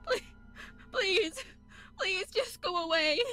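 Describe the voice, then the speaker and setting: A woman's voice: very high voice, lively intonation, slow pace, pushed and bright, soft background music, full character voice. An actress playing a young woman podcast host, wry at first and then panicked and sobbing. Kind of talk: audio play acting.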